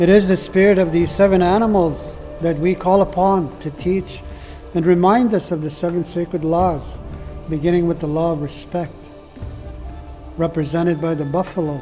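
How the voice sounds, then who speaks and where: Music plays in the background as a man talks at a high pitch and moderate pace with fairly even intonation. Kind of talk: spiritual message reading.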